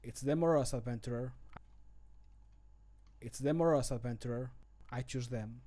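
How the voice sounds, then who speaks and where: A man voicing a grave, stoic fantasy adventurer in measured, solemn game voice lines. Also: mid-range voice, dark tone, natural voice. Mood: resolute.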